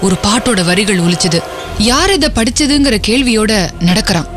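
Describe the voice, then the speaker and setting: A woman narrating a radio drama with expressive storytelling. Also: fairly high pitch, moderate pace.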